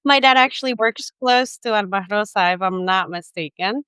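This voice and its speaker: A young woman from the Dominican Republic, an attorney being interviewed, explaining in a measured way with frequent ums. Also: medium pitch, pushed and bright, clear, resonant tone, no echo. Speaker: immigration attorney, guest. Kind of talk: interview answers.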